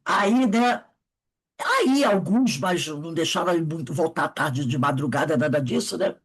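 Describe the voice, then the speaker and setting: A woman's voice: sits low, lively intonation, a little slow, slightly rough. Chatty older woman teaching. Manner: chatty, frequent tag questions, acts out dialogue. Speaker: spiritist study teacher. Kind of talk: conversational class lecture.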